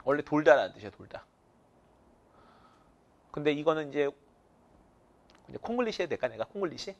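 A male English teacher giving an energetic vocabulary lecture, counting students in and drilling them with call-and-response cues. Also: fairly high pitch, brisk, creaky, lo-fi sound.

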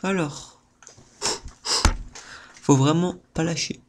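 A man narrates his own gameplay in a playful, theatrical way, often repeating words and yelping into high outbursts. He talks at an unhurried pace between the bursts. Faint keyboard typing sits behind his voice. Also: fairly even intonation, background noise. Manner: playful theatrical exclaiming, addresses viewers. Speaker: gaming video host. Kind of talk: let's-play gameplay commentary.

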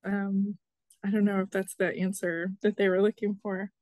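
A young woman, a lay Zen teacher on a video call, answering slowly and thoughtfully with a hoarse voice. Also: mid-range voice, little pitch movement, darkish tone, no room sound. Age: young adult. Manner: slow, thoughtful, hesitant. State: hoarse, coughing.

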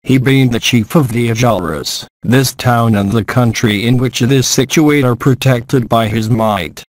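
A man reading the part of a grieving old Brahmana father in an audiobook, with solemn, measured, archaic speech. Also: medium pitch, dry recording, close to an everyday voice, poor audio.

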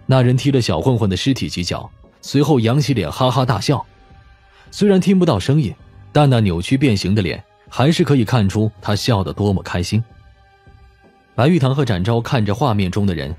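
A man's voice: mid-range voice, expressive, brisk, a little mellow, breathy edge, soft background music. A man narrating a scripted audiobook story as its narrator.

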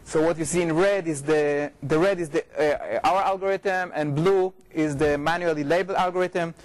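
A middle-aged man with an Israeli accent speaks in a notably high register for a male voice. He lectures informally, restarting phrases and correcting himself as he explains. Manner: informal, halting, frequent repetitions and self-corrections. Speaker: researcher giving a lecture. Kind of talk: academic talk with slides. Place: lecture room, indoors.

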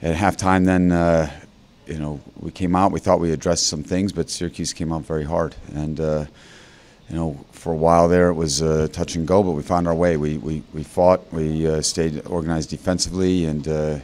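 A man in his fifties, a head coach in a postgame interview, talking haltingly with many fillers and restarts into a handheld mic. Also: extremely low pitch, flat delivery, darkish tone. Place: indoor interview backdrop. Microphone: handheld mic held by interviewer.

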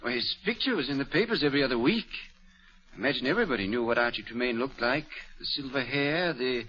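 An actor playing a helpful, chatty jeweler in a 1940s radio drama, pausing with small hesitations. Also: male voice, medium pitch, expressive, bright, forceful tone. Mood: matter-of-fact. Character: helpful male jeweler, chatty and matter-of-fact. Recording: dull old radio broadcast.

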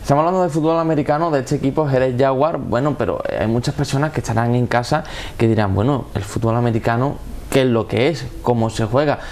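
A young man hosting a local TV interview in a studio, asking brisk questions into a lapel mic. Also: mid-range voice, a little mellow. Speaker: TV host.

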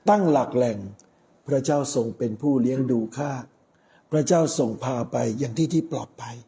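Mellow-voiced Thai priest preaching. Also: male voice, medium pitch. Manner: measured, with frequent pauses. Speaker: Catholic priest. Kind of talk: sermon.

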